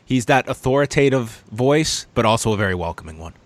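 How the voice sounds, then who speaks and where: A man hosting a casual round-table podcast, with wordy, measured phrasing. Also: mid-range voice, lively intonation, dry recording. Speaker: podcast host.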